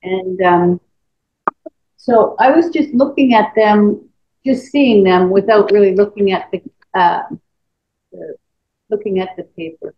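A middle-aged woman casually sharing on a video call, at a medium pitch. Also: measured pace, pauses often. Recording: dull video-call audio.

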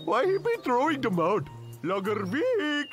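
An actor voicing a pompous, melodramatic cartoon animal king who talks haughtily in drawn-out, oddly broken grammar. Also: sits high, wildly swooping pitch, soft background music, heavily acted. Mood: delighted, indignant. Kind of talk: exaggerated cartoon voice acting.

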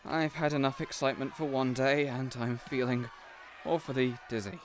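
A man's voice: mid-range voice, steady tone, normal speed, a little hiss or hum, lightly acted. A man playing a kindly, encouraging villain boss in an audio roleplay, speaking earnestly and reassuringly. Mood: weary, tender. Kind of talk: character audio roleplay acting.

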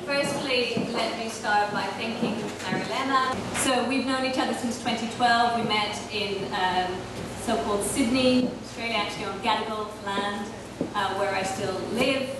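A woman raised in Ireland giving an academic keynote lecture at a panel table, speaking in a measured, thoughtful way with frequent fillers. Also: fairly high pitch. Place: large hall, on stage at a panel table. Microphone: table microphone, heard from far off. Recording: echoey hall from far off, noisy.

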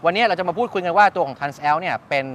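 A man's voice: high-pitched, rapid-fire, fairly bright tone. A man hosting a casual review and interview, explaining things and checking back with his guest. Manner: explanatory, repeats and confirms the guest's answers. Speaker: host, motorcycle reviewer. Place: at a shop beside traffic. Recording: outdoor noise, vehicles behind.

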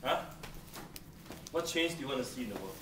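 A man's voice: mid-range voice, expressive. Man lecturing in an echoey room. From Singapore. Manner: brisk, teasing, repeats key points. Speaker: debate lecturer. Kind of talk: classroom lecture with questions. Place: large brick-walled seminar room. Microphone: far camera, no close mic. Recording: roomy, distant camera audio with room noise.

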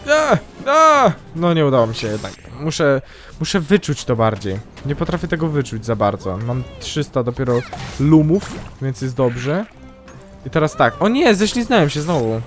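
A young man commentating his own gameplay, excitable and yelping loudly whenever something goes wrong. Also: medium pitch. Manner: excitable, yelps and shrieks at mishaps. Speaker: gaming YouTuber. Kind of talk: let's play commentary.

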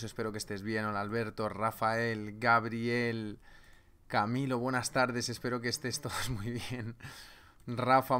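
A man's voice: mid-range voice, fairly bright tone, smooth. A man hosting a live trading webinar, reading viewer names and joking with the chat. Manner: joking, banters with chat, reads names aloud. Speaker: trading seminar host.

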